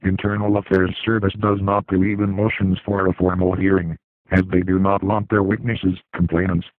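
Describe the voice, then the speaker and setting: A man reading a scripted accusing statement as an anonymous hacker, his voice disguised and pitched down, steady and flat. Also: dry recording. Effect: disguised, pitched-down deep voice. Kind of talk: scripted statement read aloud. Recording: dry, tinny phone-like sound.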